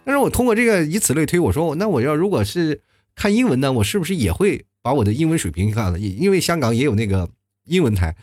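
Chatty animated talk show host. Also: male voice, fairly high pitch, husky, dry recording, clean studio sound. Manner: chatty, fast, animated, frequent "是吧" tags and chuckles. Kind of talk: comedic talk show, reading listener messages.

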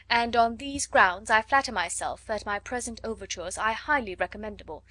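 A woman's voice: fairly high pitch, a bit bright, dry recording, close to an everyday voice. A woman voicing a pompous young clergyman who speaks in a formal, long-winded manner in an audiobook. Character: pompous young clergyman, wordy letter writer. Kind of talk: audiobook character voice.

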